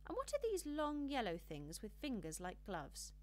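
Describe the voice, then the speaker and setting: A woman's voice: fairly high pitch, huge pitch swings, normal speed, a little mellow, pitched above the performer's own voice. A woman voicing a curious, plaintive little girl in a storybook, with a childlike, pleading way of asking things. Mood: eager, curious.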